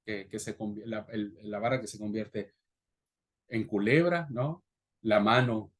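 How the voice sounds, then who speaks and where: A man with a Rioplatense Spanish accent, a pastor teaching a Bible class in a lively way, often asking "right?" and acting out the voices he quotes. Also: mid-range voice.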